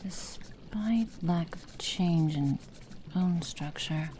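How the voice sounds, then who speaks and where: A woman voicing a cruel, cold witch experimenting on a captive in an ASMR roleplay, speaking slowly and menacingly and slipping into soft whispers. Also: lowish voice, a little hiss or hum. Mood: clinical, curious.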